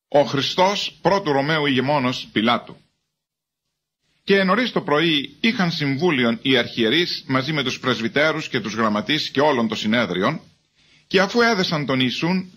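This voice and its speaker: A man's voice: mid-range voice, sharp tone. Man reading scripture aloud. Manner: measured, formal reading. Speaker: Bible reader.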